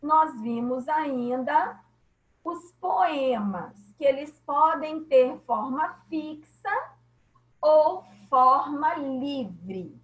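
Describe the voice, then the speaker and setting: A Brazilian woman teacher giving an online class by video call, slow and patient, often checking that students follow. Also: high-pitched, lively intonation, roomy sound, dull audio. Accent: Brazilian Portuguese.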